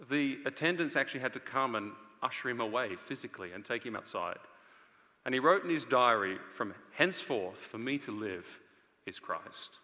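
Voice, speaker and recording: Male preacher, thirties, bright forceful voice, earnest and rhetorical, dramatic pauses, long auditorium reverb. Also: medium pitch. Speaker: preacher and conference speaker. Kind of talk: live sermon to a large audience. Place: stage of a large indoor auditorium.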